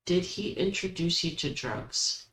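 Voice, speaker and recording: A woman hosting a paranormal session, asking questions aloud and commenting casually, with halting pauses between them. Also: fairly low pitch, animated, over loud music. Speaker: host of a spirit box session. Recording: roomy echo, background noise.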